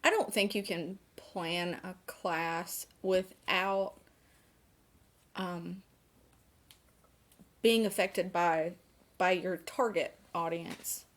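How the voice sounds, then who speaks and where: A woman's voice: lowish voice, steady tone, very slow, long pauses. A woman aged forty, a photography instructor, answering interview questions conversationally and hesitantly, thinking aloud.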